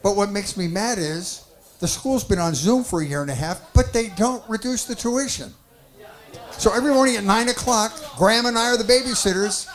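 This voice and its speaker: A man's voice: high voice, fairly quick. A man in his sixties doing a dry stand-up set of one-liners. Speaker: stand-up comedian. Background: audience laughter and crowd.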